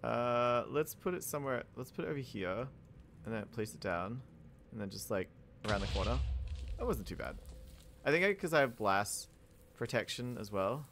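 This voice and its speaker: A young man giving casual let's-play commentary while playing, rambling and self-mocking, quick to laugh and exclaim. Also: mid-range voice, lively intonation, creaky, a bit bright, a little hiss or hum. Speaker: gaming YouTuber.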